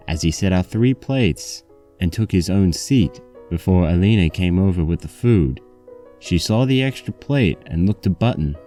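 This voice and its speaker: Deep, mellow male story narrator.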